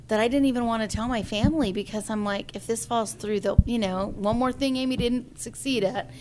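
A woman's voice: on the high side, brisk, a little hiss or hum. A woman in her forties, a singer, telling a personal story in an interview and acting out the voices of the people she quotes. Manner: lively storyteller who acts out quoted voices.

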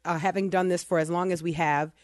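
A woman in her forties hosts a Christian talk show with an earnest, chatty flow, often restarting her sentences. Her voice sits on the lower side. The sound is dry and close, with no room around it. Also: steady tone, fast talker, a little mellow, no room sound. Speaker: podcast host.

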